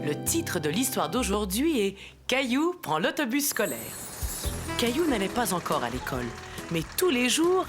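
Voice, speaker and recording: A woman playing a kindly grandmotherly storyteller, reading a children's cartoon story in a gentle, expressive manner. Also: mid-range voice, natural voice. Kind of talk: scripted children's story narration. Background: music behind the voice.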